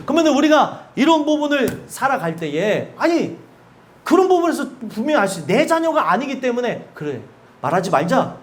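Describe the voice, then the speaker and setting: A male pastor delivers a sermon in a church. His voice sits unusually high and swings widely in pitch. He keeps asking the congregation questions and laughs between points. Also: very animated, a little fast, a little hiss or hum. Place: church sanctuary.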